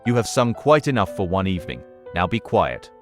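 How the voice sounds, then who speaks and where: An actor playing a blunt, protective country gentleman, brusque and authoritative, in a period audiobook drama. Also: deep voice, sing-song, brisk, faint music behind. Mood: firm.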